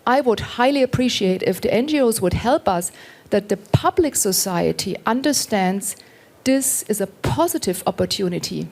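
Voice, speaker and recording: A woman's voice: medium pitch, a little mellow. Earnest, persuasive woman on a panel. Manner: earnest, persuasive, appealing directly to the audience. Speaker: industry panelist. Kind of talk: panel discussion remarks.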